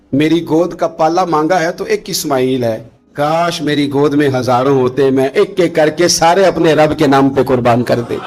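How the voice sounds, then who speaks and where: A man preaching a sermon as a dramatic story, impassioned, rising to shouts and slowly intoning scripture. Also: fairly high pitch.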